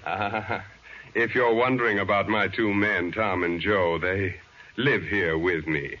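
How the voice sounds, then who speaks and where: An actor playing a smooth-talking, imperious, genteel male crime boss in a 1940s radio drama, deliberate and condescending. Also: sits low, bright, forceful tone, a little hiss or hum, heavily acted. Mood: condescending, suave. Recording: dull vintage 1940s radio recording.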